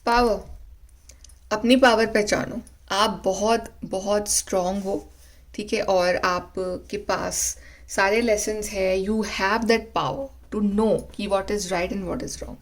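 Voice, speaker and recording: A woman's voice: mid-range voice, steady tone, slow pace. A woman giving a spiritual tarot reading, talking earnestly in a coaching manner and mixing Hindi with English. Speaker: tarot reader.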